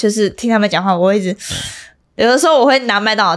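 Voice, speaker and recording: A woman talks at a fairly quick pace with lively intonation in an ordinary speaking voice. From southern Taiwan. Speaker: podcast guest. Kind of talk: casual chat.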